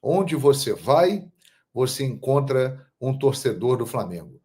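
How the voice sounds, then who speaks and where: A man from Brazil hosting a football channel, telling stories in a measured, emphatic monologue. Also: medium pitch, sing-song, mellow. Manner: measured, storytelling, emphatic on key phrases. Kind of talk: casual monologue to camera.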